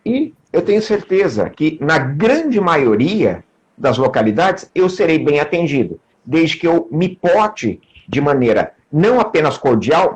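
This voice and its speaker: A man with a Brazilian Portuguese accent, a guest in a casual interview chat, who explains in a measured way with everyday examples. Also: on the high side, breathy edge.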